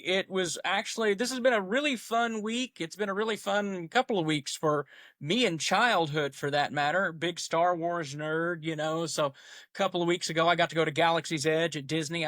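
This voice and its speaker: A man's voice: fairly high pitch, fairly bright tone, dry recording. A man hosting his own podcast in a casual, rambling monologue, opinionated and joking about himself. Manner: opinionated, rambling, self-deprecating humor. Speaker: podcast host.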